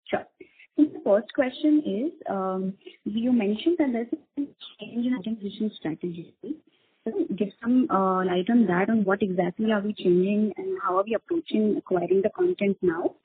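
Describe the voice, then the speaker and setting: A woman's voice: mid-range voice, normal speed, breathy edge. A woman calling in to ask unscripted questions on an investor conference call. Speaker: caller asking questions. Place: telephone call. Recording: muffled narrow phone line.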